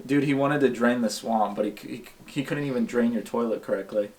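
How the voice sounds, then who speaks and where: A man's voice: mid-range voice, brisk. A man hosting a casual comedic reaction chat, repeating phrases for emphasis. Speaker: host. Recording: faint background noise.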